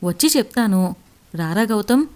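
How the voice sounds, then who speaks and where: A woman narrator voicing a brisk, decisive young woman about to marry. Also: mid-range voice, expressive, a little mellow, close to an everyday voice.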